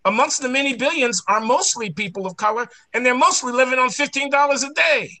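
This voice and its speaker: A man's voice: very high voice, fairly quick, pushed and bright, no room sound. A man speaking as a panelist in a discussion, talking emphatically with lots of restarts. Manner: emphatic, ranting, many restarts.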